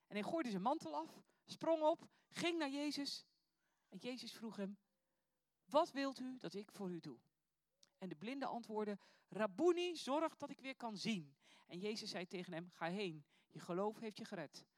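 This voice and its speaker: Woman preacher, earnest and reflective, mid pitch, dry close sound. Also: no echo. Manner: earnest, musing, reflective with searching questions. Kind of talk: sermon with scripture reading.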